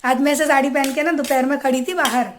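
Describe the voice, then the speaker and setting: A woman's voice: high-pitched, fairly even intonation, quick pace, slight background noise. A young woman from India chatting casually to viewers about her household routine in a home vlog. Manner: chatty, addresses viewers directly. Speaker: family vlogger.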